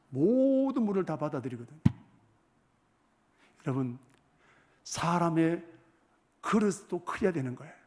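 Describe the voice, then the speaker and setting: Man preaching with questions to his flock. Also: a little high. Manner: asks the congregation rhetorical questions, loudness swings from hushed to forceful. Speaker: senior pastor. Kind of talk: sermon. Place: church sanctuary.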